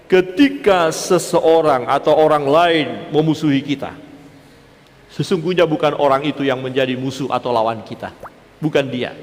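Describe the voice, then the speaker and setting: Animated preacher in a reverberant hall. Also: male voice, mid-range voice. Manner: animated, questions and teases the congregation. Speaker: pastor. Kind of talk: sermon. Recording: long church-hall reverb.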